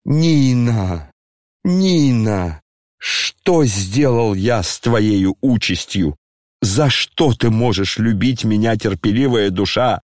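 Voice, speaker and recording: A man reading an audiobook and voicing an aging, disgraced retired general who talks slowly, tearfully and pompously. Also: fairly low pitch, a little mellow, no room sound, studio quality. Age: over 60. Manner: slow, tearful, declamatory, pompous.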